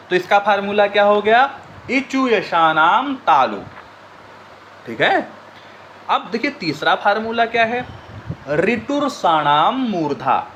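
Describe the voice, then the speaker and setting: Guy teacher with a high voice drilling exam prep, asks then answers himself, bit of hiss behind. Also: fairly bright tone. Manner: repeats questions and answers to drill students; chants formulas slowly.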